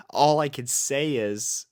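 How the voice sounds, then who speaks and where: A man reading a first-person story as scripted narration, in an earnest, sentimental manner. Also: mid-range voice. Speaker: fan fiction reader.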